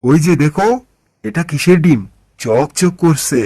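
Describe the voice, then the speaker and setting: Man playing a high-voiced, puzzled village father. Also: expressive, a little slow, mellow, husky, no room sound, clean studio sound, heavily acted. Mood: puzzled, surprised. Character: mild village farmer father, easily puzzled. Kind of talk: children's moral cartoon voice acting.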